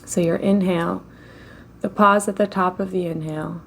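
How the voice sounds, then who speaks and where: A woman leading a slow guided meditation in a gentle, unhurried way, with long pauses between phrases. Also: fairly low pitch, fairly even intonation, gravelly, slight background noise.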